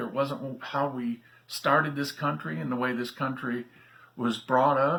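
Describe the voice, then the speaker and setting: Speaking with an American accent, a man with a medium pitch and a bright, sharp tone talks at a fairly slow pace. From Michigan, US. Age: 60s. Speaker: vlogger telling personal political story. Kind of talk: personal testimony vlog. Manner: hesitant, many fillers and repeated words.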